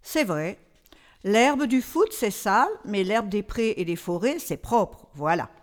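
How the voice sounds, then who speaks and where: A woman's voice: mid-range voice, expressive, slow. A woman playing a patient, easily flustered storyteller who coaxes a child along in a comic radio dialogue. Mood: patient, improvising. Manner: hesitant, coaxing, as to a child.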